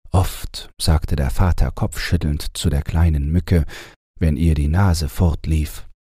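Male audiobook narrator for bedtime tales. Dark, mellow tone, lively intonation, measured storytelling, close dry sound. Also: rumbling low, husky, no echo. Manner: measured, expressive storytelling with deliberate phrasing. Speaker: audiobook reader.

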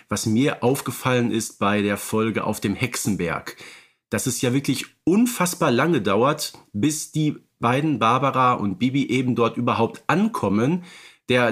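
A man co-hosting a podcast, talking in a relaxed, reflective way with many fillers and restarts. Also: medium pitch, husky. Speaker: podcast co-host. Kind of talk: casual chat.

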